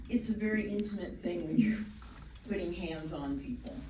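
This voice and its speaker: Noticeable noise sits in the background, and echo from the room can be heard. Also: woman. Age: 80s+. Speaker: former nightclub body painter. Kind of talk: panel Q&A storytelling.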